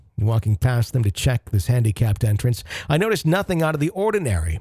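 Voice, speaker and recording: A somewhat breathy man speaks with very wide pitch swings, in a dry, close sound with no echo on a very clean recording with a silent background. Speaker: podcast host and narrator. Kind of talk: ghost story telling, scripted narration with eerie first-person tale. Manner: hushed, suspenseful, measured pacing that builds dread; formal, polished, steady.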